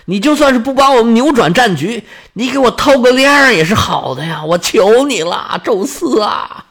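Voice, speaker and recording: A man's voice: high-pitched, very animated, moderate pace, a bit bright, full character voice. A man voicing a desperate male warrior who talks anxiously. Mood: pleading. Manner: anxious, pleading. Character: desperate male Greek warrior, worried and pleading.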